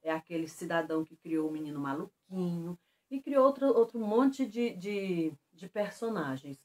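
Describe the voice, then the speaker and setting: Lively woman teaching children. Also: on the low side. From Brazil. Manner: lively, slow and emphatic on example words. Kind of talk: remote lesson for children.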